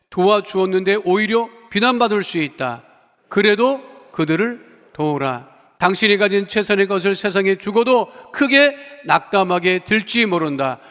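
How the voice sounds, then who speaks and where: A male pastor preaching and praying fervently, with emphatic declarations that swell loud and fall soft. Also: high-pitched, expressive, measured pace. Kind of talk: sermon and fervent prayer. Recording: long church reverb.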